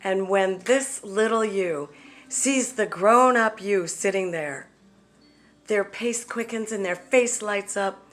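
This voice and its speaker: A woman leading a guided visualization, speaking gently and deliberately with long pauses and some softly breathed phrases. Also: medium pitch, soft background music. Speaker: guided meditation leader. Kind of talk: guided visualization, soothing meditation narration.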